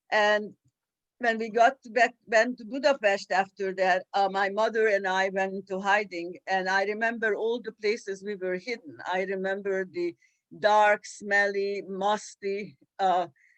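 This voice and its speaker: Fairly even in intonation, a woman with a Hungarian accent speaks at a fairly slow pace and medium pitch, the sound dry and close with no echo. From Hungary. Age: 70s. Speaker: holocaust survivor. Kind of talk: testimony.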